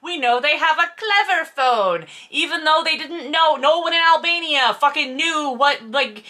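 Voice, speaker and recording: A woman's voice: high-pitched, moderate pace, bright, forceful tone. A woman hosting a casual read-along, giving mocking, exasperated commentary on a novel with sarcasm and some swearing. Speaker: host reading a novel aloud with commentary.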